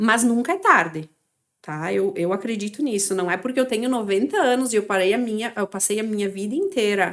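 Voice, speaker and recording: At a moderate tempo, with pitch that varies in an ordinary way, comes an unremarkable speaking voice. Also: woman. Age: 30s. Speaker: physiotherapist. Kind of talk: casual chat.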